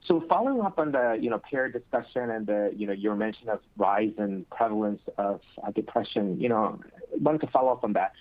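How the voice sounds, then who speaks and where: A man's voice: on the low side, lively intonation, fairly quick. A man speaking as a financial analyst, politely asking an unscripted question on a conference call. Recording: narrow tinny phone line.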